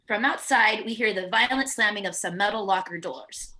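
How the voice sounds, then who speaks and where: A woman's voice: mid-range voice, moderate pace, sharp tone. A woman narrating screenplay stage directions in a plain descriptive reading, with the occasional stumble, at a virtual table read.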